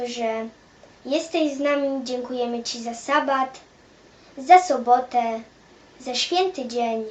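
A woman leading a simple spoken prayer, phrase by phrase. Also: high voice. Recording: echoey room.

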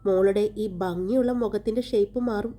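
A woman narrator voicing a cheeky, sharp-tongued young woman who teases and mocks. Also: medium pitch, steady tone, moderate pace, faint music behind, close to an everyday voice. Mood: defiant. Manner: teasing, mocking.

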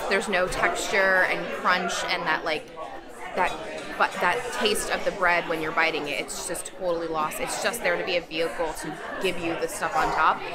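Young woman, casual food vlog, chatty and frank, loud bar crowd behind, phone at arm's length. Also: mid-range voice. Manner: chatty, frank, many fillers. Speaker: vlogger reviewing food. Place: busy hotel lounge bar, indoors. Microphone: handheld phone camera at arm's length. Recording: phone video in a noisy bar.

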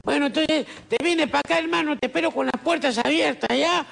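High gravelly man, scheming caller. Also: a little fast, fairly bright tone. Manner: scheming, wheedling, calls everyone brother. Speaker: prank caller. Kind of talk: comic phone sketch.

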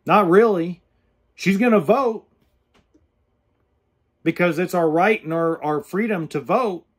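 Speaking slowly with a breathy edge, a fortyish male podcast host delivers blunt, earnest, plain-spoken talk to the camera, using hand gestures. His voice is a little high for a man. He's indoors in an RV or home kitchen, right up on a pop-filtered studio mic.

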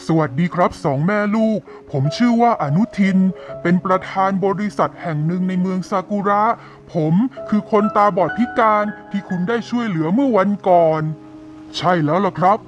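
A man's voice: high voice, moderate pace, muffled recording, over music, close to an everyday voice. A man playing a polite, earnest company president who poses as a poor beggar in a cartoon story. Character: company president posing as a blind, grateful beggar.

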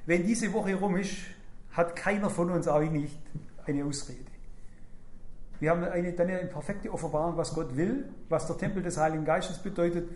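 A man's voice: sits high, moderate pace, a little mellow, echoey room. A man preaching a sermon, emphatic and speaking directly to his congregation.

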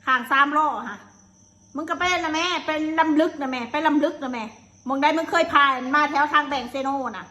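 A woman's voice: sits high, a little fast, sharp tone. A woman with a Lao accent, live streaming alone and angrily cursing and hurling insults. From Laos. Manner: angry, cursing, insulting tirade. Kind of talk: solo live-stream rant.

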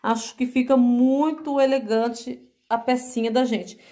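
A woman's voice: a little high, fairly even intonation, unhurried, warm tone. A woman crochet vlogger from Brazil, chatting affectionately at home as she shows her work to viewers. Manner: affectionate, chatty, calls viewers "meus amores" and "gente". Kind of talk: casual show-and-tell vlog.

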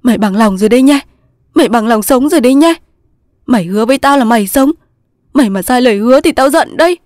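A woman voicing a young male resistance soldier, pleading in loud sobbing outbursts in a storybook reading. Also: on the high side, a little fast, no room sound, clean studio sound, voice pushed up, lightly acted. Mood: frantic.

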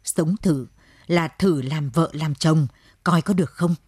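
A woman reading as a gruff older country father. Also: sits low, takes it slowly, darkish tone, dry recording, clean studio sound, heavily acted. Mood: grumbling. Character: worried rural father, older man, gruff and blunt.

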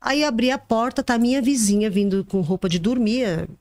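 A woman, a podcast guest, telling a personal story in an animated way, often repeating herself and restarting sentences. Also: fairly high pitch, moderate pace, no echo. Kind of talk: storytelling anecdote.

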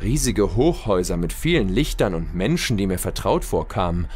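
A man's voice: sits low, very animated, normal speed, a little mellow, husky, soft background music, full character voice. A man playing a bewildered soldier in an audio drama, earnest and puzzled. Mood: puzzled, reflective. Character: bewildered male soldier questioning what is real. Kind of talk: German audio drama acting.

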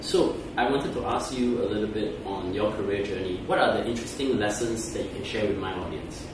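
A man's voice: on the low side, brisk, heavy reverb, far from the mic, noisy background. A man hosting an interview podcast, asking his guest direct questions in a conversational way. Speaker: podcast host. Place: office meeting room.

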